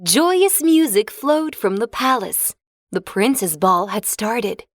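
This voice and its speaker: A woman narrating a children's fairy tale in a clear, expressive storybook reading. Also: mid-range voice, slow, no echo, studio quality.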